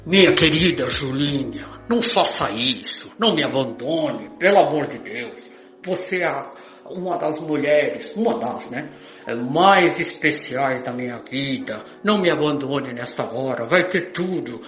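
A man's voice: medium pitch, expressive, unhurried, fairly bright tone. A man playing a rich, boastful womanizer coaxing his many lovers in an amateur radio soap. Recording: dull lo-fi recording, music behind.

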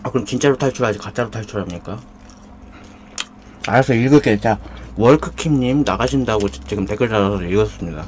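On his live mukbang stream, a man eats and cracks jokes, greeting viewers and calling out names from the chat. His lowish, darkish voice moves a little fast, picked up by a desk condenser mic with slight background noise.

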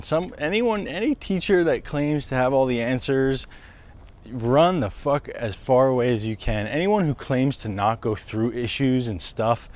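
A man's voice: medium pitch, darkish tone. A man, chatting casually while walking down a residential street, camera held at arm's length, swearing freely and laughing at himself. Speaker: wellness vlogger. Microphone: handheld camera at arm's length.

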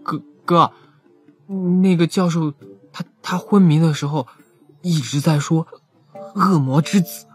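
A man's voice: a little high, unhurried, long pauses, slightly rough, soft background music, voice pushed up. A man voicing a timid, naive young male police officer in an audiobook, with a hesitant, stammering delivery. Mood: nervous, eager.

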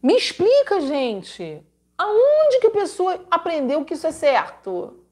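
A woman's high-pitched, slightly mellow voice swoops wildly as she speaks slowly, reading letters aloud and giving relationship advice on a live stream. Her delivery is emphatic and scolding, with dramatic repetitions and religious exclamations.

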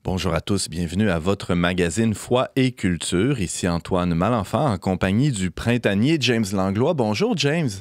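A man with a Québécois accent hosting a casual radio talk show in a studio, cheerful and quick to laugh. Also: fairly low pitch, expressive, no room sound. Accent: Québécois French. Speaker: host.

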